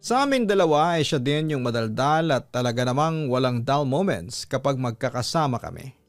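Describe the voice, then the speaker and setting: A man's voice: medium pitch, big pitch swings, moderate pace, dry recording, soft background music. A man with a Filipino accent hosting a story show, reading out a listener's letter as scripted narration.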